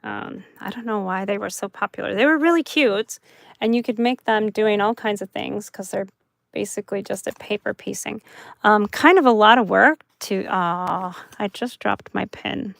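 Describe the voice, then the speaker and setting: A woman hosting a live craft chat, soft and chatty, who often laughs and talks about her dry mouth. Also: mid-range voice, normal speed, gravelly, no echo. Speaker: craft livestream host.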